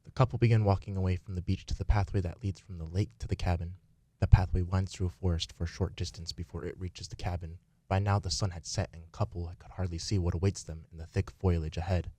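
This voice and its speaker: A man with a very low, mellow voice narrates a radio play. He reads the script in a theatrical storytelling style. The sound is dry and close. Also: little pitch movement, fast, no room sound. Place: radio studio, live performance.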